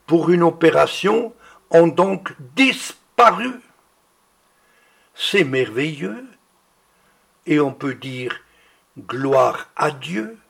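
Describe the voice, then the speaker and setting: A man preaching a sermon, reading out healing testimonies in a slow, deliberate way. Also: fairly high pitch, gravelly, fairly bright tone.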